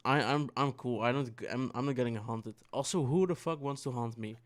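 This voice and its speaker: A man's voice: medium pitch, brisk. A young man from the Netherlands, co-hosting a casual chat, rambling and swearing with many restarts. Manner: rambling, profane, restarts a lot. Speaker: podcast co-host.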